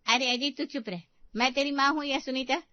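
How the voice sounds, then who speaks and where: A woman's voice: sits high, fairly even intonation, normal speed, pushed and bright, no echo, pitched above the performer's own voice. A woman voicing a stubborn, commanding middle-aged mother-in-law in a cartoon story. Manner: bossy, commanding. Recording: dull dry studio audio.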